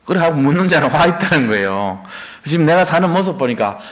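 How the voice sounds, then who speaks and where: A man preaching a sermon, animated, firing off rhetorical questions and acting out people's complaints. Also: a little high, fast. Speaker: pastor. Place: church.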